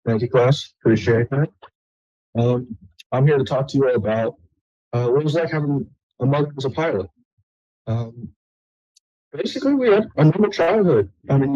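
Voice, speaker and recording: A young man with a warm, mellow voice rambles in a friendly way, with lots of fillers. It is a dull, lo-fi home video recording that sounds dry. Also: mid-range voice, no room sound. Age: young adult. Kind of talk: casual video message.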